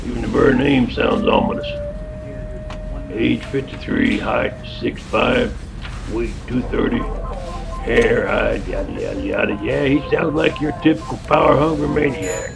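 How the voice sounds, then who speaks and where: Skeptical investigator, acted by a man: creaky mid-range voice, offhand and sardonic, music behind. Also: medium pitch, measured pace. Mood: sardonic, unimpressed. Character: Roy, dismissive, skeptical male investigator. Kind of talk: audio drama acting.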